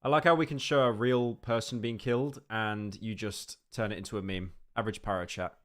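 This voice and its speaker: A man's voice: on the low side, steady tone, fairly quick, a bit bright. A man streaming live, chatting casually and rambling as he reacts to videos and talks to his chat. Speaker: livestreamer. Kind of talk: casual livestream reaction commentary.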